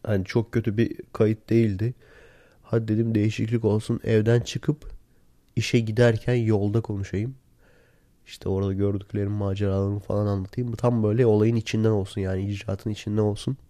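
A man with a hoarse, worn-out voice, sick and tired, chatting casually alone into a close recorder. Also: on the low side, flat delivery, brisk, warm tone, no room sound. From Turkey. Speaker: podcast host. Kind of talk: casual solo podcast chat. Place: in bed at home. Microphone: handheld voice recorder, close.

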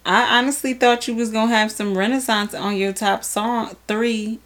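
A woman's voice: on the high side, moderate pace. A young adult woman co-hosting a podcast, chatting casually and loosely with slang. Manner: relaxed, conversational, uses slang. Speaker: podcast co-host. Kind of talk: casual chat.

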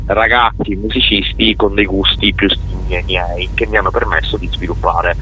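Sicilian-accented man, low voice, noisy car. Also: fairly even intonation, normal speed, pushed and bright. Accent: Sicilian Italian. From Sicily, Italy. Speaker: musician, interview guest. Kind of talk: casual radio interview. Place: inside a car. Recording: noisy with rumble, band-limited sound.

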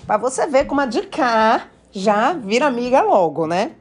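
Woman telling a funny story, chatty and animated, faint music underneath. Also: on the high side, normal speed, breathy edge. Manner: animated, addresses listeners directly. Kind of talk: casual personal storytelling.

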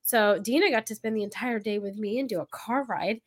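A woman's voice: medium pitch, fairly quick. A woman from Texas hosting a podcast in casual chat, sounding nasal from hay fever and filling her talk with "like". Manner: chatty, upbeat, many "like" fillers. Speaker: podcast host.

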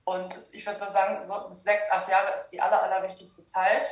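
A woman's voice: medium pitch, completely flat delivery, moderate pace. A young adult woman from Germany, a guest explaining her practice in a casual interview, hesitant, with many fillers. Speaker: guest, shadow work practitioner. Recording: roomy, distant sound.

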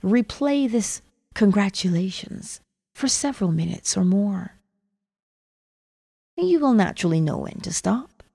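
A woman softly narrating a guided meditation in a soothing manner, with gravelly fry and breathy phrase endings that trail toward a whisper. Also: mid-range voice, sing-song, unhurried, long pauses. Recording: long reverb on the voice.

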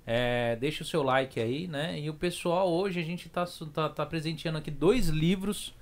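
A man's voice: on the high side, normal speed, a little hiss or hum. Joking man making livestream announcements. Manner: joking, informal. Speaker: livestream co-host.

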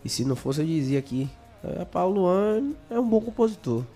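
A young songwriter from Bahia, Brazil, speaks with a Bahian Brazilian Portuguese accent in a high, sing-song, mellow voice at a fairly quick pace, with soft music in the background. He chats and jokes through a casual interview, often stammering on repeated words.

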